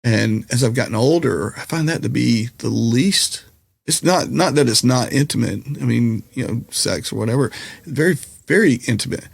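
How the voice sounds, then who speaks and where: A middle-aged man with a slightly raspy, gravelly voice speaks in a relaxed, candid way. He is reflective and easily drifts into jokes. The sound is dry and close, with no room around it. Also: mid-range voice, moderate pace, dry recording. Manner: candid, reflective, jokey storyteller. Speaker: podcast guest, musician and comedian. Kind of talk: casual conversational interview.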